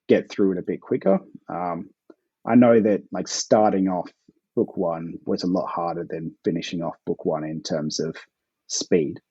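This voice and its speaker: An Australian man, an author guest, talking in a relaxed, hesitant way with plenty of fillers. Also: low-pitched, husky, no room sound, dull audio. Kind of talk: casual interview chat.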